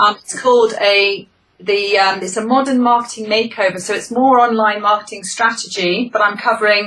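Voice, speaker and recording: Someone with a British accent talks at a moderate pace. The intonation is fairly even. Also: woman. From UK. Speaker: business coach. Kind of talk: interview.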